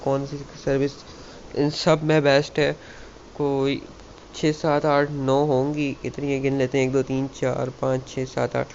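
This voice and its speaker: A man with a South Asian accent, a native Hindi or Urdu speaker, hosting a tech tutorial in a halting, stumbling way. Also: mid-range voice, a little mellow. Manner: halting, stumbling reading of English with repeated words. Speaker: YouTube tech channel host. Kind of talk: tutorial, reading an article aloud with casual asides. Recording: muffled lo-fi mic with background noise.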